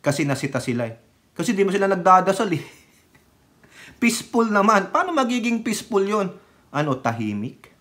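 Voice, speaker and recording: A man's voice: high-pitched, very animated, moderate pace, long pauses, a bit bright. A man from the Philippines ranting in casual political commentary, sarcastic and mocking, often laughing and mixing in English phrases. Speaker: political vlogger.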